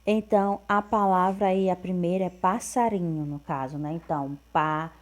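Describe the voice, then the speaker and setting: Patient woman teacher, low-pitched. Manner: patient, repeats answers slowly and clearly. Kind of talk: correcting workbook exercises.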